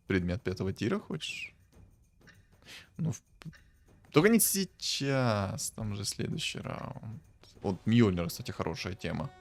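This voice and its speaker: Low-voiced man casually commenting on gameplay. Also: a little slow, long pauses, faint music behind. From Ukraine. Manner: thinking aloud, casual, bursts of excitement. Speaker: game streamer.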